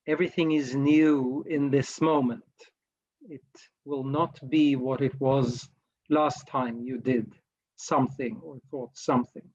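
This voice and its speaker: A Norwegian man, speaking a language other than his native Norwegian, facilitates a workshop slowly and reflectively, hesitating and often searching for words. His voice is fairly high with a darkish tone, and the audio sounds dull.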